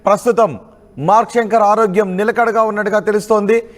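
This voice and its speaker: A male news presenter with a Telugu accent and a notably high-pitched voice. He reads scripted news narration, and the sound carries a long reverberant tail. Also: steady tone, fairly quick.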